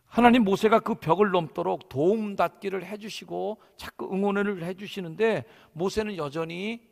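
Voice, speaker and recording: A man preaching a sermon in a church sanctuary, animated and playing out the voices of his stories. His voice sits fairly high, swings widely, and has a bright, gravelly edge. Long hall reverb carries his words. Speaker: senior pastor.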